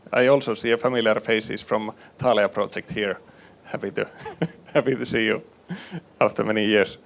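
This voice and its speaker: A man from northern Finland, a hospital innovation manager, giving a measured panel presentation with frequent fillers into a conference microphone. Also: mid-range voice. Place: conference room with live panel. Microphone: handheld or table microphone.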